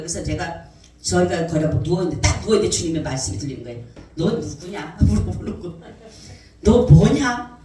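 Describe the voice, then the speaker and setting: A woman's voice: medium pitch, a little hiss or hum. A woman pastor telling a personal testimony in a sermon, acting out what people said. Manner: animated storytelling, acting out quoted voices. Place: church sanctuary. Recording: echoey church hall mic from a distance.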